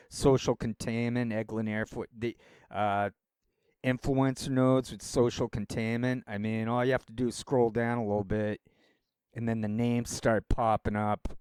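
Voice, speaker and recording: A man's voice: medium pitch, a little mellow, smooth, no room sound. A man rambling through a casual solo monologue as a vlogger, wandering from thought to thought. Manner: rambling, meandering talk.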